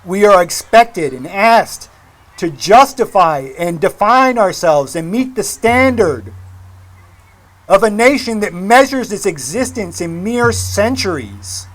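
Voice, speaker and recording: A man in his forties from Massachusetts gives an impassioned public speech at a rally, speaking emphatically with deliberate repetition. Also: high-pitched, big pitch swings, a bit bright. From Mashpee, Massachusetts, United States. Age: 40s. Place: outdoor rally.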